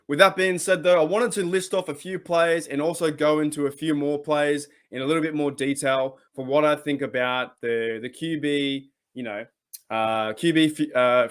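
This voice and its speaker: A man's voice: a little high, a bit bright. A man with an Australian accent hosting a sports talk channel, chatting casually and rambling with many restarts. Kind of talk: casual solo commentary.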